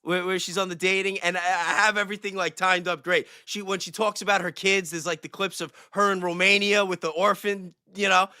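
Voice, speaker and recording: A man chatting casually on a livestream as a video creator, excitable, blunt and profane, often repeating himself for emphasis. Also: high voice, a little fast, hardly any pauses, clear, resonant tone, no echo, clean studio sound. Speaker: online video creator on a panel.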